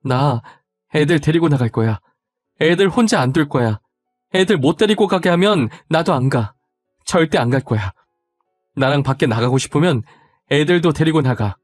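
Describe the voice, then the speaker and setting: A man's voice: a little high, expressive, moderate pace, no echo, faint music behind, lightly acted. A man voicing a desperate pleading young wife. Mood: panicked. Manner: pleading, insistent, rambling.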